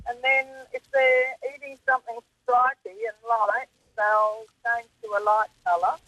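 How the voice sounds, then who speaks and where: A woman with a chatty, exasperated manner, calling a talkback show over a phone line from her car on speakerphone, halting with ums. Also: on the high side, sing-song, creaky, a bit bright, no room sound. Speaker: talkback caller. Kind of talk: casual chat.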